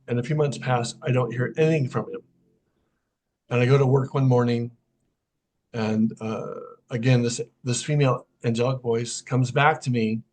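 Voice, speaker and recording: A man's voice: medium pitch, a little mellow. A middle-aged man, a podcast guest, casually telling a personal story and recounting what was said in quoted dialogue. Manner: conversational, recounts events through quoted dialogue. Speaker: podcast guest, sound healer.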